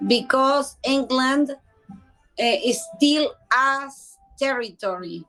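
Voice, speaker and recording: Blunt Argentine woman, slightly high voice. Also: drawn-out words, a bit bright, soft background music, rough recording. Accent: Argentine Spanish. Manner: blunt, teasing, opinionated. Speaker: video chat stranger. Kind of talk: casual video chat.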